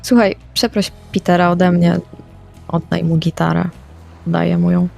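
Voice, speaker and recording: A woman speaking in character in a tabletop roleplaying game, calm and brief. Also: fairly low pitch, a little slow, creaky, faint music behind. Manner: calm, short replies with spoken actions. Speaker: player.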